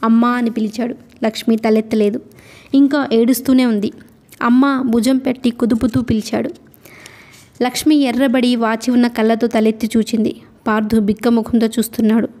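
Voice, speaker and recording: A woman's voice: fairly high pitch, flat delivery, fairly quick, warm tone. A woman reading a novel aloud as an audiobook narrator, telling the story steadily.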